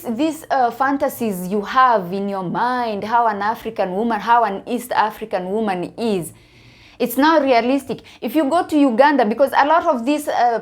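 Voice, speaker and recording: A woman from Kenya with a Kenyan accent, talking casually to viewers about her opinions in a halting way, repeating words for emphasis. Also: a little high. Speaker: online video commentator.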